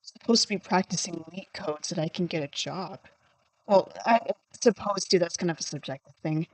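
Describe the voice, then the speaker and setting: Low-voiced woman rambling on a livestream. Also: moderate pace, dry recording, rough recording. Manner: rambling, self-deprecating, thinking aloud. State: voice starting to tire. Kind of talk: casual livestream chat while coding.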